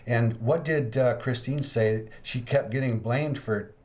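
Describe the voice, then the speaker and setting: A man's voice: mid-range voice, unhurried, darkish tone. A man hosting a ghost-hunting podcast, telling investigation stories in casual chat. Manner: storytelling, laughs at his own tales. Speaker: ghost hunter podcast host.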